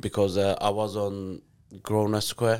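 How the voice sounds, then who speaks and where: In a very clean recording with a silent background, a man talks at a fairly slow pace with a Turkish accent. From Turkey, Gaziantep. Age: 40s. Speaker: taxi driver. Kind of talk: casual chat.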